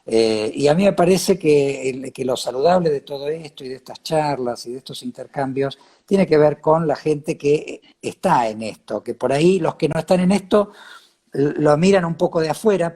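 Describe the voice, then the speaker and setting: A man with a Cordoba Argentine accent in a reflective interview conversation, haltingly repeating words as he searches for his phrasing. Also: on the high side, mellow, slightly rough.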